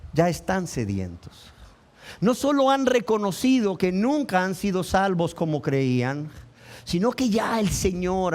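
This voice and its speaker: A man preaches from the pulpit in a high-pitched voice. He delivers his sermon with passion and urgency, often taking on the voices of the people in the story he tells. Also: a little mellow. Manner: impassioned preaching, acting out voices of the crowd and the blind man. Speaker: pastor.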